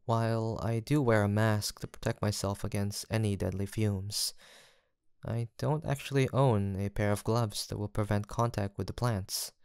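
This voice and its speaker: A man playing a gentle, earnest apothecary in a fantasy audio roleplay, soft-spoken, formal and courteous, with some hesitation. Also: on the low side, steady tone, normal speed, clear, resonant tone, dry recording, studio quality, close to an everyday voice. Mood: solemn, determined. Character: gentle, earnest, guilt-haunted male apothecary in fantasy village. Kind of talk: soft, sweet roleplay acting addressed to the listener.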